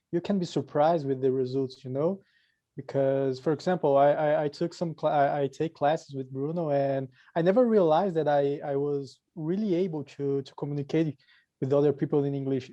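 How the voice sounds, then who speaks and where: A man whose first language is Portuguese, speaking English haltingly on a casual podcast and repeating words as he searches for them. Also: on the high side, mellow, no room sound, highs cut off. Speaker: podcast guest, English learner.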